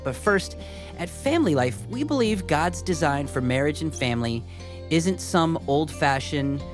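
A show announcer reading a scripted segment and donation appeal in a smooth, polished way. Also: mid-range voice. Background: guitar music bed.

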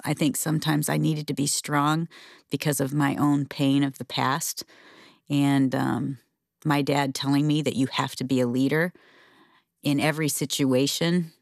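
A middle-aged woman speaks candidly and with animation, laughing easily. Her voice sits low and has a gravelly fry. The sound is dry and close. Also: no echo. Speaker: podcast co-host. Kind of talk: casual conversation about faith and marriage.

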